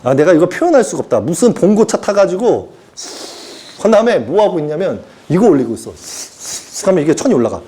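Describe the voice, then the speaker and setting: A man's voice: fairly high pitch, sing-song, fast, dark tone. A man giving an informal sermon lecture as a self-styled prophet, acting out characters in put-on voices and chuckling as he talks.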